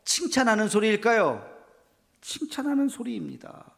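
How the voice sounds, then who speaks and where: A middle-aged man preaches with a gravelly voice that sits a little high. He keeps asking the congregation questions and acts out small everyday scenes as he goes. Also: sing-song, normal speed. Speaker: pastor. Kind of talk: sermon.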